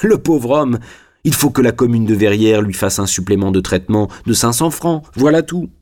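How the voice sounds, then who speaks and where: A man's voice: medium pitch, lively intonation, normal speed, a little mellow, lightly acted. A man voicing a young liberal manufacturer, sneering and sarcastic.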